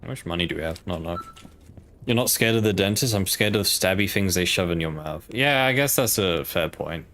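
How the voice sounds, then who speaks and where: Streaming a game, a young Polish man with a British accent talks casually, hesitating and rambling with plenty of fillers. He has a deep voice with a fairly bright tone and speaks briskly and expressively. Slight background noise can be heard.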